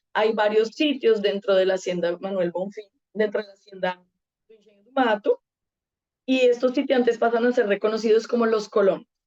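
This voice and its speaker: A woman talks at a moderate pace. Her pitch is fairly high, with ordinary pitch variation. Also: big swings in loudness. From Colombia. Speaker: anthropologist researcher. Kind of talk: lecture. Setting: video call. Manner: halting.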